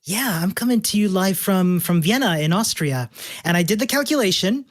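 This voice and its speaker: A man's voice: high voice, expressive, moderate pace. A man from Chile, a guest on a podcast, chatting in an upbeat way and laughing often. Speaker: guest, developer relations engineer. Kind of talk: casual interview chat.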